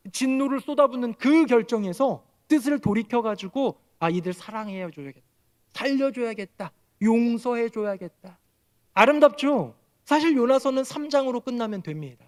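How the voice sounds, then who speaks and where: A man, a senior pastor, preaching a sermon, telling the story vividly and acting out the quoted speakers. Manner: animated storytelling, acting out quoted voices with raised pitch.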